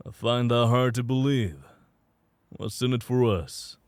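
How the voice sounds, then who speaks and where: A man playing a gruff, distrustful forty-year-old werewolf in an audio drama, with a blunt, indignant manner. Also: medium pitch, unhurried, no room sound, natural voice.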